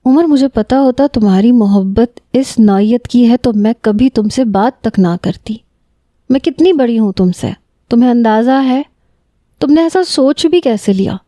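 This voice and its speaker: A woman's voice: a little high, mellow, no room sound, clean studio sound, lightly acted. A woman voicing a hurt, defiant young woman who speaks sharply and reproachfully in a narrated romance story.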